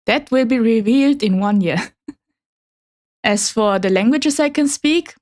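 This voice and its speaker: A woman's voice: on the high side, slow, a little mellow. A woman whose first language is Chinese, chatting casually and a little awkwardly as a new VTuber streamer presenting slides. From Germany. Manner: hesitant, slightly awkward, apologetic.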